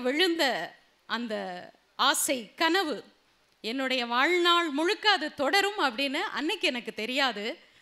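Her raised, projected voice is bright and sharp, pitched high for a woman. Lively intonation carries over a quiet background. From southern Tamil Nadu, Tirunelveli district village; Tamil Nadu, India. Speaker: radio host. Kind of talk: motivational speech. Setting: college auditorium with student audience. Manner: clear careful enunciation. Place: stage. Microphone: podium.

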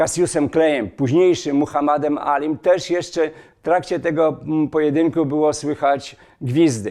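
His tone dark and mellow, a man speaks at a fairly high pitch. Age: 70s. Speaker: boxing commentator. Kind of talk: video blog commentary. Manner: emphatic.

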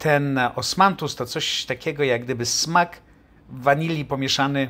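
Speaking at a moderate pace, this man has a Polish accent. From Poland. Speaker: vlogger. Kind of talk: food vlog narration. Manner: halting. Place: cafe. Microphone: phone near.

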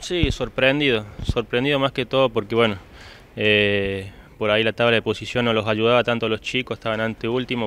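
At a fairly quick pace, a man speaks with fairly even intonation in a dry sound with no echo. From Argentina, Córdoba city; Córdoba, Argentina. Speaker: footballer. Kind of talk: interview; interview answer. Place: hall. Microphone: handheld.

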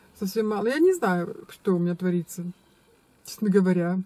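Somewhat breathy, a woman speaks in a dry sound with no echo. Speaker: vlogger. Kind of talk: casual vlog chat. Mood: slightly puzzled, friendly. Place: car. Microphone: phone near.

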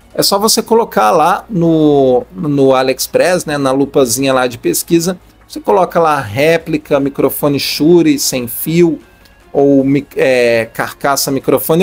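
Faint music sits in the background. Over it, a man talks at a fairly slow pace. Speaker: tech hobby youtuber. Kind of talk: tutorial. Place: home room. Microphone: lapel.

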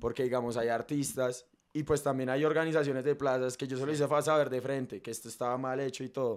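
A man speaks at a very fast pace with fairly even intonation. The background is quiet. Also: medium pitch for a man. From Bogotá, Colombia. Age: young. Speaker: rapper; podcast guest. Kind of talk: casual chat. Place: home room. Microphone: handheld.

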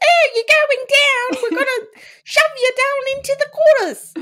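A put-on character voice in a British accent moves at a moderate pace with ordinary pitch variation. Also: woman, extremely high pitch for a woman. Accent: bad, exaggerated British. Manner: ridiculous, joking.

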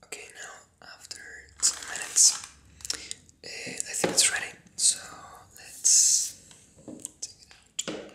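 The speaker is whispering at a fairly slow pace. Long pauses come frequently. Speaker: ASMR creator. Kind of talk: ASMR tutorial. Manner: whispered. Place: home room.

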